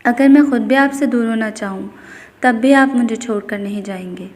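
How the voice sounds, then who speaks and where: A woman's voice: fairly high pitch, in a large hall, lightly acted. A woman voicing a young wife who speaks with trembling, childlike innocence. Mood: fearful.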